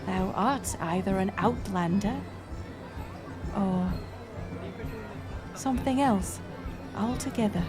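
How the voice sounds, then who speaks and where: A woman's voice: medium pitch, over music, a crowd in the background, lightly acted. A woman playing a playful, curious village woman in a romantic audio roleplay, speaking in archaic thee-and-thou English. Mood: teasing, puzzled. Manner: archaic thee-and-thou speech, slow and musing. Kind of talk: romantic audio roleplay acting addressed to the listener.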